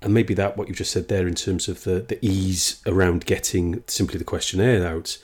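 Low-voiced male interviewer, hesitant. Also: steady tone, normal speed, a little mellow, breathy edge. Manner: reflective, hesitant, with repetitions. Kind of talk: conversational interview.

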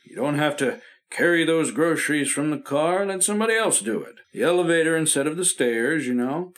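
A man playing a patient, reassuring doctor in an old radio drama, speaking steadily and gently firm. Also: on the high side, lively intonation, brisk. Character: calm reassuring male family doctor. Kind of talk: 1950s radio drama acting.

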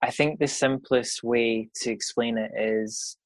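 A man with a Scottish accent, a card reader talking casually in an interview, relaxed and rambling with lots of fillers. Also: medium pitch, a little slow, no echo, poor audio. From Scotland. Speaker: intuitive card reader, guest.

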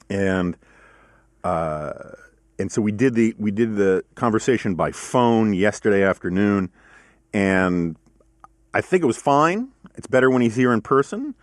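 A middle-aged man hosting a podcast in casual studio chat, with a deep voice, a giggly laugh and lots of ums and uhs. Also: expressive, measured pace, long pauses, no echo. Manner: rambling, self-deprecating, many ums and uhs. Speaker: podcast host.

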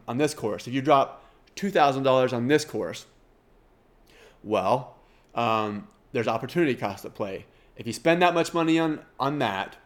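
A middle-aged man with a Kansas twang and a nasal voice, hosting a podcast in a rambling, self-deprecating casual monologue. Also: medium pitch. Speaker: podcast host.

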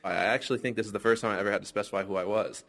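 A man in his twenties from Minnesota, telling his own story in a reflective, unhurried way. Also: on the low side, steady tone, fairly bright tone. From Minnesota, United States. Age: 20s. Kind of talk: personal recollection.

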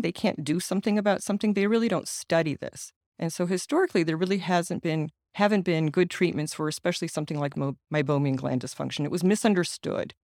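Middle-aged guy, ukrainian first language, earnest and explaining, keeps restarting, kinda high voice, dry sound. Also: gravelly, a little mellow, dry recording. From United States, Ukrainian American family. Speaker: guest, patient advocate and author. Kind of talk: interview answers.

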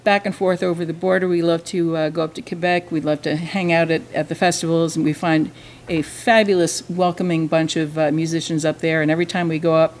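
Enthusiastic woman, lowish voice. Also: level tone, brisk, hardly any pauses, darkish tone. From Vermont, USA. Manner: enthusiastic, chatty, full of praise words. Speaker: musician and French teacher. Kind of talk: casual interview talk.

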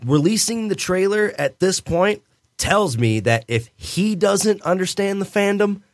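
Man, podcast co-host, emphatic, insistent, slightly high voice. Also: animated, unhurried. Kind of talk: casual chat.

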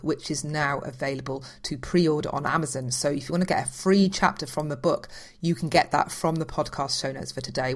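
A woman hosting a podcast talks in a chatty, enthusiastic way. Her voice sits a little low for a woman, and she circles back and repeats herself as she goes. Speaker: podcast host. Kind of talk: podcast intro and interview.

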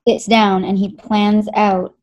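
A woman's voice: mid-range voice, level tone, takes it slowly, darkish tone. Thoughtful woman on a podcast call. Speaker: podcast co-host. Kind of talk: casual conversation. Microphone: remote call.

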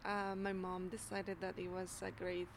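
A young woman with a gravelly edge to her voice talks haltingly, full of fillers and restarts as she hunts for words in English. The recording has a clear hiss and noise behind her. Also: lowish voice, completely flat delivery. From Mexico. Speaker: youth program worker at an immigrant services agency. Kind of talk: casual interview answers. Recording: noisy recording.

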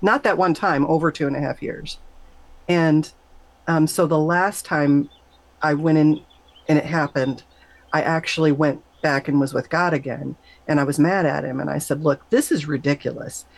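A woman's voice: steady tone, normal speed, creaky, rough recording. A middle-aged woman, a guest on an interview show, telling her personal story in an earnest, conversational way. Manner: earnest, acts out quoted voices with high pitch jumps. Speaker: guest sharing a near-death story.

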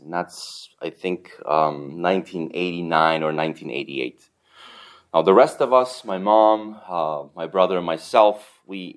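A deep-voiced man in his forties with a Romanian accent tells his story to a church congregation. He talks in a loose, conversational way, leaning on fillers and little chuckles as he goes. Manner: relaxed, chatty, many fillers, soft chuckles. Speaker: church planter giving a testimony.

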